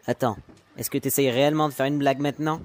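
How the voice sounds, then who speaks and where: A man's voice: mid-range voice, fairly even intonation, fast talker, close to an everyday voice. A man voicing a sassy, slangy, teasing gay demon who grew up in the mob, in a French fan comic dub. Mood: playful. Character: sassy, crude, teasing gay male spider demon ex-mobster.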